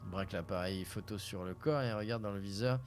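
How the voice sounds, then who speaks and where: A man's voice: lowish voice, brisk, music in the background. A young man from France reading a game aloud and chatting casually on a live stream, with hesitations. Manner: casual, hesitant, lots of fillers.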